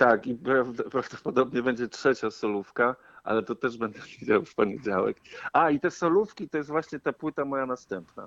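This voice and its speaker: Heard dry and close with no echo, a man speaks at a fairly quick pace in a medium pitch, his lively intonation paired with big swings in loudness. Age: 40s. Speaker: musician. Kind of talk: casual chat. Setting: remote line.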